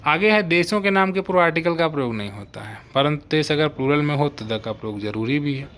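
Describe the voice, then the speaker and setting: A man's voice: fairly high pitch, expressive, fairly quick, fairly bright tone, a little hiss or hum. A man teaching English grammar in a live online exam-prep lesson. He explains step by step and keeps checking whether his students follow.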